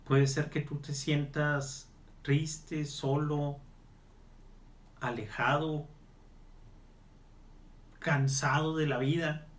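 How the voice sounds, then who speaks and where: A man's voice: a little high, little pitch movement, very slow, long pauses. A male evangelist pastor leading a televised Bible study and prayer, earnest and pleading as he speaks straight to the listener.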